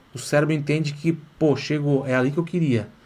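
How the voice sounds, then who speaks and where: A man speaks with a Santa Catarina accent at a fairly high pitch. His pace is very fast. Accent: Santa Catarina Brazilian Portuguese. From Santa Catarina, southern Brazil. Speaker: Italian language teacher. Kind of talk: online lesson. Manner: casual, repetitive.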